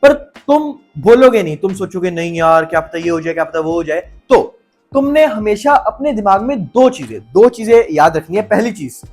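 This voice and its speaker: A young man giving energetic, emphatic motivational advice in a casual vlog, repeating words for stress and using slang. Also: high-pitched, moderate pace, faint music behind. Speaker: self-improvement YouTuber.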